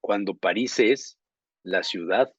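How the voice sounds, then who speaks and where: A Mexican man with a husky, somewhat low voice tells meandering stories on a talk show, stopping now and then to hunt for a word. The recording is dry and a bit muffled. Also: takes it slowly, no echo. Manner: rambling anecdotes, searching for words, laughing. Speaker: journalist co-host. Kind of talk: casual talk show chat.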